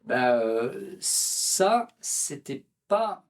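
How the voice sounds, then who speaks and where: A man's voice: on the high side, very animated, very slow. A man, an author being interviewed, talking in a hesitant way with many fillers and restarts. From France. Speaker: author and political activist, interview guest. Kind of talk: conversational interview.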